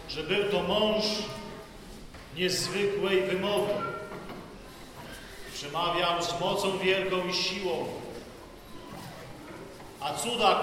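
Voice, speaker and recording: A man preaching a sermon in a slow, solemn way, pausing between phrases, as a priest speaking to the faithful. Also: sits high, noisy background. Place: large church. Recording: echoey church hall.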